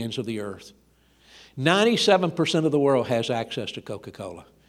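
A fairly quick-paced man with an American accent and very wide pitch swings. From US South, Georgia. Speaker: missions ministry founder and guest preacher. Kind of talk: church sermon with rally-style mission pitch, urging giving. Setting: church. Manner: animated; urgent, persuasive, folksy.

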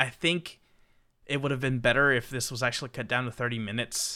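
Bright and sharp in tone, a man talks at a very fast pace on a very clean recording with a silent background. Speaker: podcast host. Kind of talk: casual chat about gaming.

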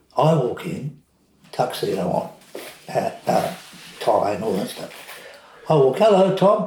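Speaking in an Australian accent at a fairly slow pace, the voice makes very wide pitch swings and takes long, frequent pauses. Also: man, high pitch for a man. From Sydney, Australia. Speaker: drummer. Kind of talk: casual chat. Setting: around a dinner table. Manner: animated.

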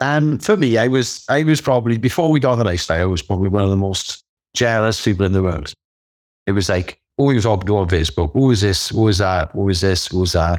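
In a very clean recording with a silent background, a man with an unremarkable speaking voice and a fairly low pitch talks fairly quickly with lively intonation and very even loudness. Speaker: swinging lifestyle couple member. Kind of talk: casual interview chat.

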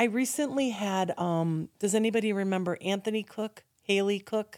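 In an American accent, a woman with a medium pitch talks at a moderate pace. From US Midwest, South Milwaukee, Wisconsin. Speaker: elementary school teacher. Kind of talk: casual chat.

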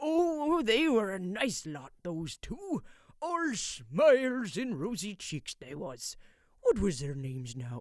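A man puts on a character voice, drawling at a fairly slow pace with a high pitch for a man and very wide pitch swings. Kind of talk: rustic, colloquial. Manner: very slow, drawling speech.

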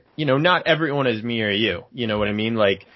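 A man speaks with an unremarkable speaking voice at a fairly quick pace. His pitch is medium, with ordinary pitch variation. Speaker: film archivist and horror magazine contributor. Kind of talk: casual chat.

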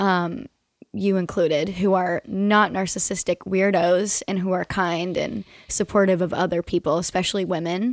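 A woman speaks with a plain, everyday voice at a medium pitch and moderate pace. Her intonation stays fairly even, and the sound is dry and close with no echo. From Pennsylvania, moved around. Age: 20s. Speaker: musician. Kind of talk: casual chat.

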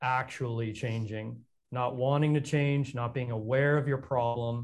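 A man's medium-pitched voice at a moderate pace. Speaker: Ayurvedic doctor. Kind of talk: casual chat. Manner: gruff.

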